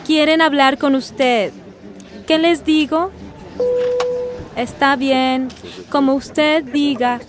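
An actress playing a polite, hesitant young secretary in a radio drama. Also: female voice, high voice, fairly even intonation, slow pace, pauses often, over music. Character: polite young female secretary at the mayor's office.

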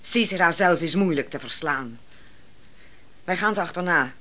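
A woman's voice: lowish voice, expressive, normal speed, fairly bright tone. An actress playing a grave, resolute woman with forebodings in a radio play, solemn and terse.

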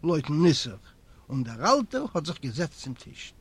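Man, audiobook reader, high voice, measured quiet storytelling, dry close recording. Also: sing-song, breathy edge, no echo. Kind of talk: literary storytelling narration. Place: library recording room.

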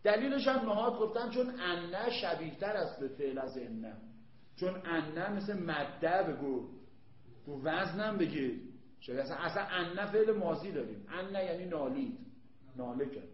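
A man's voice: a little high, animated. A man teaching an Arabic grammar lesson, emphatic, repeating points and quizzing his students. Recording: echoey room, dull lo-fi sound.

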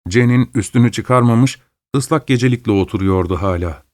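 A man reads a dark tale aloud with measured, even delivery in a mid-pitched voice. The sound is close and dry, with no room behind it. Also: no room sound. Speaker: storyteller. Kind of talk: read-aloud story narration.

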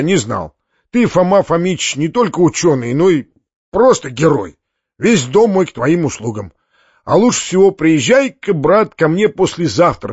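A man's voice: fairly high pitch, slightly rough, dry recording, heavily acted. A hearty fat landowner, as a male reader puts him on, effusive and folksy, voice raised a bit. The sound is dull and dry, with no room to it.

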